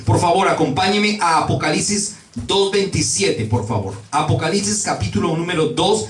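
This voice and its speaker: A male preacher delivers a sermon in a high, swooping voice, stretching out and repeating his key words. He sounds like he is standing some way from the microphone, and the room around him rings with echo. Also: lively intonation, normal speed. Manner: emphatic, drawing out key words and repeating them. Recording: echoey room, voice from a distance.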